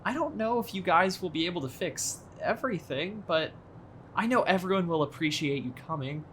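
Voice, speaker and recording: A young small-town local, played by an actor in an audio drama, friendly but worried. The voice is mid-pitched and moves up and down a lot in earnest, conversational speech. There is ambient noise faintly behind it. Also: animated, normal speed, a bit bright, natural voice. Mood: worried, candid. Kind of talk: naturalistic audio drama acting.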